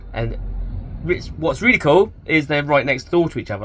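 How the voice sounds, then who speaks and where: A loud man's voice, fairly high in pitch, with very wide pitch swings. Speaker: guitar teacher. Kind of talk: tutorial.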